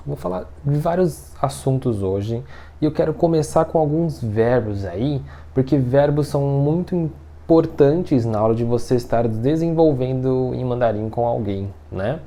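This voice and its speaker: A man's voice: mid-range voice, expressive, unhurried, dark tone. A man teaching a casual lesson, chatty and explaining with everyday examples. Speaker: Mandarin teacher.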